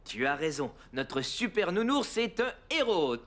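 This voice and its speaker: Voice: medium pitch, very animated, a little slow, a bit bright. An actor voicing an obliging, playful parent in a children's cartoon. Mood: busy, friendly.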